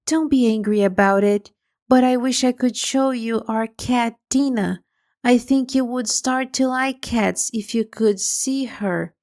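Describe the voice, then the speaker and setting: A woman's voice: on the high side, a little slow, a little mellow. A woman doing a polite, curious young girl.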